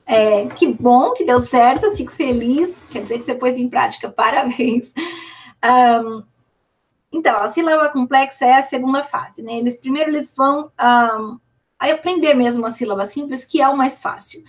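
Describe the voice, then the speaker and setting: A Brazilian woman teacher answering viewer questions in a casual live lesson, reassuring and sounding out syllables slowly to demonstrate. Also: sits high, far from the mic. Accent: Brazilian Portuguese.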